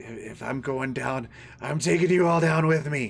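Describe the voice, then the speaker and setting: This is a put-on character voice with a guttural sound. It moves at a moderate pace. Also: man. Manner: menacing, defiant.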